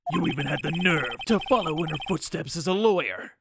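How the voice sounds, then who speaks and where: Man acting a gravelly, brooding, bitter ex-lawyer. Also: fairly high pitch, expressive, a little fast, very noisy. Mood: bitter, accusing. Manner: brooding, confessional, theatrical monologue. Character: remorseful, bitter masked former defense attorney, a grown man. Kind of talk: dramatic visual-novel game fan dub. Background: loud music.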